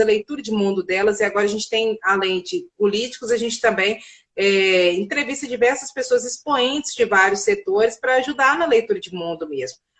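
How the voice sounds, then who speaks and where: A woman's fairly high voice with lively intonation at a fairly quick pace. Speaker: journalist. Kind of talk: interview. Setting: live stream. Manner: fast; animated.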